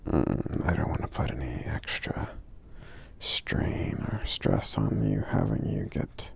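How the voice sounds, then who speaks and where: Guy doing a kind gentle giant for asmr, super low gravelly half whisper, murmurs and hums, takes his time. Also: animated, takes it slowly, full character voice. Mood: considerate, gentle. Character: kindly, considerate male giant, a supportive friend. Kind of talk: soft-spoken ASMR roleplay.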